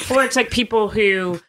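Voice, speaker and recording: A woman's voice: mid-range voice, pushed and bright, dry recording. A woman guest on a podcast, talking candidly and animatedly, joking and swearing freely. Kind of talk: casual conversation.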